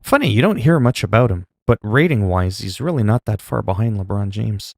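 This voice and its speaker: Low gravelly streamer. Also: male voice, expressive, brisk, darkish tone, no echo, studio quality. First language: French. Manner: rambling, self-talk with laughs and asides. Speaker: gaming streamer. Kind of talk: casual gameplay chat.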